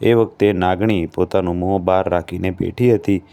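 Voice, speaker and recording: A man narrating a devotional folk tale in a steady storytelling manner. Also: sits low, normal speed, clear, resonant tone.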